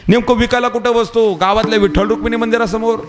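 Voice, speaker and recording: A man's voice: extremely high pitch, steady tone, fast talker, background noise. A man voicing a blunt, successful sweet seller who scolds and advises his friend in a told parable. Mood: advising. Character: blunt, successful adult male sweet seller giving advice.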